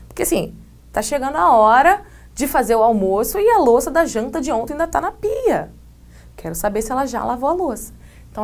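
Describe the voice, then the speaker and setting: A woman with a bright, high voice and a Brazilian Portuguese accent teaches an English grammar lesson to camera. She explains in a lively, chatty way and drops in playful asides. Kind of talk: classroom video lesson.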